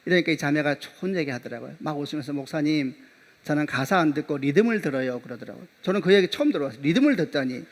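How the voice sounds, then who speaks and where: Male pastor, middle-aged, slightly high voice, animated storytelling sermon. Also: fast. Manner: animated storytelling, acting out dialogue.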